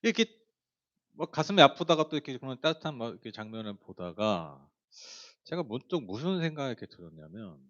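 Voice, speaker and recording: A man's voice: medium pitch, big pitch swings, fairly quick, a bit bright, lo-fi sound. A man preaching a sermon, telling a story in a chatty way with many fillers and speaking directly to the congregation. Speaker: pastor.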